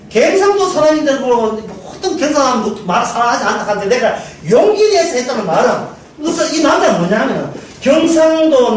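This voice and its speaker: Male pastor, animated sermon, laughs a lot, very echoey church hall, distant mic, faint hiss. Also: very high-pitched. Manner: lively, laughing often, asks the crowd "예?".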